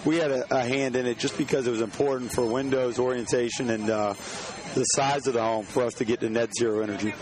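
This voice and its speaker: Hoarse builder with a crowd behind. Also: male voice, mid-range voice, fairly even intonation, rough recording. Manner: halting, many restarts and fillers. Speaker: home builder guest. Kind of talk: on-site radio interview.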